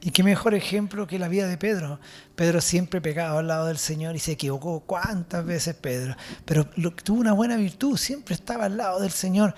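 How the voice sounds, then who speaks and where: A man with a Chilean accent preaching a sermon as pastor, fervent, his points sometimes trailing off to a hush. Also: sits high, fairly quick.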